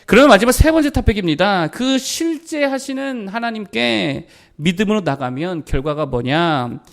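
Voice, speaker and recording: A middle-aged male pastor preaching a sermon, who asks his congregation rhetorical questions, answers them himself, and slows down when reading scripture aloud. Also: high-pitched, expressive, vocal fry.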